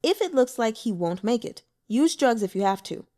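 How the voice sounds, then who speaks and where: A woman's voice: on the high side, very animated, moderate pace, dark tone. A woman voicing a cold, scheming male lord who speaks in short, commanding lines. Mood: curt.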